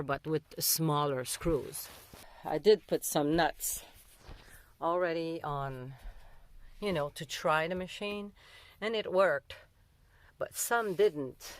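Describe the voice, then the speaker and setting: A woman from Montreal with a Québécois French accent, a native French speaker, chatting casually as a vlogger and often searching for words and rephrasing. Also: low voice. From Montreal, Canada. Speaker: vlogger documenting a van build. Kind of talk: casual vlog chat.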